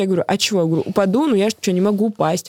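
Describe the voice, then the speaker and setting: Recorded with a dry, close sound and no echo, a woman speaks at a very fast pace. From North Ossetia, Russia. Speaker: musician and music producer. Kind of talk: casual interview chat. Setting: studio.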